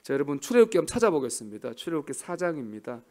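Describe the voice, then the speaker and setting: A man preaching a sermon as pastor, swinging between soft murmurs and loud emphatic cries and putting questions to the congregation. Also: on the high side, sing-song, rapid-fire.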